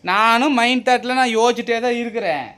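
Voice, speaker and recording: A man locked in a domestic argument with his wife. He argues defensively, swears, and at times raises his voice to a shout. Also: very high voice, a little fast, clean tone. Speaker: husband.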